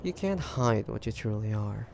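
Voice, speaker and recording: A man playing an ambitious, shrewd pirate captain in an audio roleplay, taunting the listener in a deliberate, conspiratorial way. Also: on the low side, lively intonation, gravelly, a little mellow, a little hiss or hum. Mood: smug probing. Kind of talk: roleplay audio drama monologue addressed to listener.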